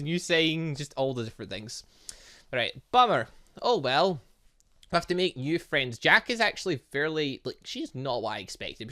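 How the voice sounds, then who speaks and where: A man with a fairly high, very bright voice gives casual let's-play commentary. He rambles through joking asides and reads on-screen text aloud, sometimes tripping over it. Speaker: gaming channel host.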